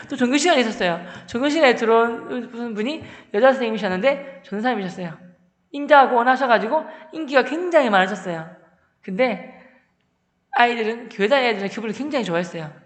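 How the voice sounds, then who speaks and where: A man, a church deacon telling a humorous testimony at a seminar, acting out dialogue with loud outbursts. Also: very high-pitched. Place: church hall. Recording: echoey hall with long reverb.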